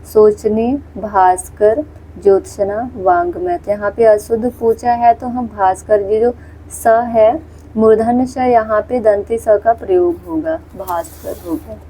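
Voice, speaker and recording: A woman's voice: mid-range voice, fairly even intonation, a little slow, dark tone, a little hiss or hum, rough recording. A woman teaching a Hindi exam-prep lesson, patiently going through questions, repeating words and pointing viewers to the screen. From India.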